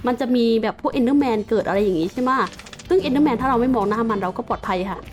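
A woman's voice: on the high side, quick pace, darkish tone, faint music behind. A Thai woman playing Minecraft and commenting as she goes, mixing playful mock-villain taunts with polite explanations of the game. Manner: polite sentence endings, explains game facts. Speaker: gaming YouTuber.

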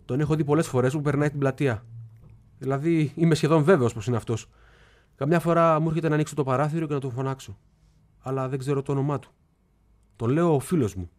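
Here an actor plays a lonely young man with a childlike streak, shifting from quiet confidences to shrill yelling for a radio drama. His voice sounds natural.

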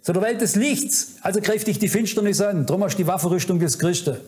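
Fervent high-voiced male preacher. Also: fast talker, darkish tone. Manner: fervent, admonishing, addresses audience directly. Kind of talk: sermon. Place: conference hall.

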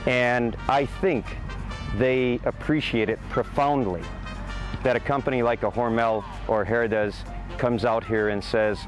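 A man speaking earnestly and in a measured way in an outdoor interview. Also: lowish voice, rough recording.

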